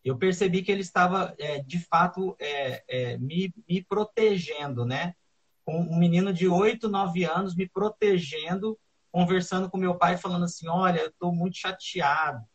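A man in his thirties, an interview guest telling a personal story in a halting way with many fillers and restarts. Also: high-pitched, slightly rough, muffled recording. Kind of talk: conversational storytelling.

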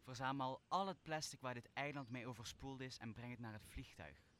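A man playing a solemn, commanding exiled magician in a Shakespearean radio play, speaking in a measured way. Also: mid-range voice, fairly bright tone, slight background noise, natural voice. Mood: stern. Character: commanding exiled magician, stern yet forgiving master. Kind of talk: stage-like Shakespearean radio drama.

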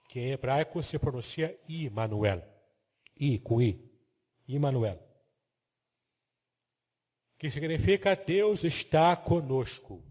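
A man teaching the Bible in a didactic way, his voice dark and husky. He explains each term step by step and checks that the listener follows. The sound carries a long reverb, as if recorded in a large hall. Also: medium pitch. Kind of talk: biblical teaching lecture with slides.

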